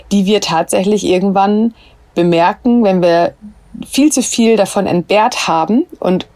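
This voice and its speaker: A woman's voice: lowish voice, gravelly, a little mellow, no echo. A woman in her thirties co-hosting a casual parenting podcast, explaining her points with everyday examples. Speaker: podcast co-host.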